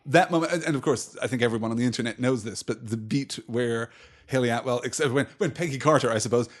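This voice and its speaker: A man's voice: medium pitch, quick pace. A man co-hosting a casual film discussion, talking in an emphatic, analytical way. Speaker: podcast co-host.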